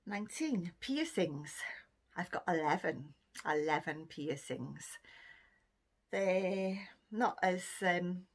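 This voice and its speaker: Welsh woman, middle-aged, chatty vlog voice, swoopy lively pitch, lots of ums and giggles. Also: slow pace. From Cardiff, Wales. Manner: chatty, laughs often, many ums. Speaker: vlogger. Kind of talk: casual chat answering a question tag.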